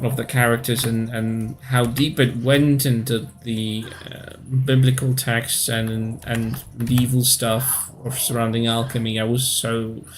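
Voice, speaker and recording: A man's voice: mid-range voice, slight background noise. Hesitant Polish-accented man in his thirties. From Poland. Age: 30s. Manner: hesitant, pausing to search for words. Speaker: streamer. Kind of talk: casual live-stream chat.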